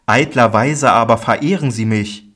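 A man voicing a grave, admonishing teacher, declaiming slowly and emphatically in a Bible audiobook reading. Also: mid-range voice, fairly bright tone, natural voice.

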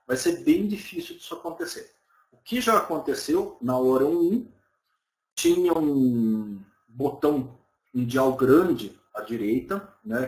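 A man's voice: medium pitch, darkish tone. A man in his thirties giving an online lecture from a small room, talking casually and often checking in with his listeners. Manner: conversational, frequent tag questions, hedged personal opinion. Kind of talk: live webcam lecture answering viewer questions. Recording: roomy webcam audio.

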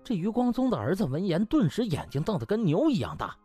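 Highly animated male audiobook narrator. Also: fast, husky, faint music behind. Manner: theatrical, expressive storytelling. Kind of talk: dramatic scripted narration of a comic novel.

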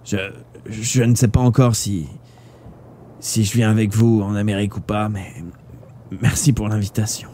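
A dying young man, calm and gentle, his low, faint words come out as breathy, halting whispers, as a man reading aloud puts him on. The voice is dark and mellow, sinking lower as it fades. A storybook deathbed scene. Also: slight background noise, lightly acted. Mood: weak. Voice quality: weak breathy murmur.

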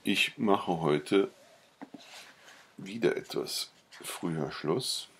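Deep, husky male reader. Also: very slow. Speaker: audiobook reader. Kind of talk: reading a novella aloud.

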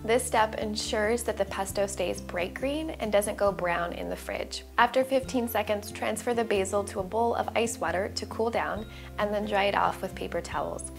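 A woman in her thirties, a cooking channel host, narrating a recipe voice-over with clear step-by-step instructions. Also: medium pitch, moderate pace, over music.

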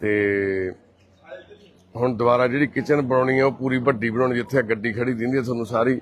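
A man's voice: mid-range voice, fairly even intonation, a little fast. A man from Punjab, India, with a Punjabi accent, giving a live walk-through of a care shelter and cheerfully coaxing the residents as he goes. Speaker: host and caretaker at a care shelter.

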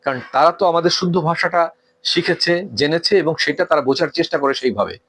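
A man from Bangladesh, giving an earnest, lecturing talk on etiquette, asking rhetorical questions and pausing with frequent hesitations. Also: on the high side, fairly bright tone. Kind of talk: didactic talk.

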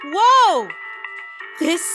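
A woman's voice: extremely high pitch, sing-song, extremely slow, full character voice. A woman voicing a brash, easygoing animal superhero sidekick in a cartoon, cocky and slangy. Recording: music behind the voice.

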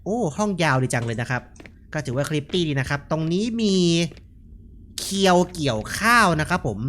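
Animated man chatting through a horror game. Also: fairly high pitch, moderate pace, a little hiss or hum. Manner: chatty, jokey, laughs often. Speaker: gaming streamer. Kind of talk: casual horror game commentary.

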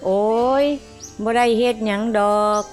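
A woman voicing a sharp-tongued old village woman with a Northeastern Thai Isan accent, dry and mocking. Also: measured pace, soft background music, close to an everyday voice. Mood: dismissive.

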